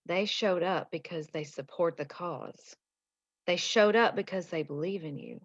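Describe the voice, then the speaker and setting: Low, muffled woman as devoted wife. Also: measured pace, dry recording. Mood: tender, encouraging. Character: devoted, encouraging wife of a miners' leader. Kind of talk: script table read. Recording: dull, muffled lo-fi mic.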